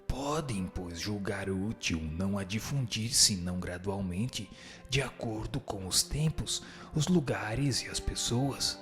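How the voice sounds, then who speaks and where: Brazilian guy doing a wise solemn spirit teacher, slowish lowish voice, preachy formal radio drama stuff over music. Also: lively intonation. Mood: didactic, patient. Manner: solemn, didactic, rhetorical, formal. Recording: music behind the voice.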